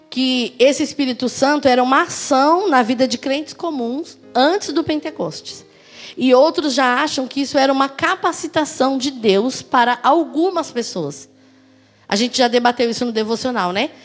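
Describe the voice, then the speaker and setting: A woman with a Brazilian Portuguese accent preaches a sermon in a voice that sits high. She fills it with rhetorical questions and lively personal stories.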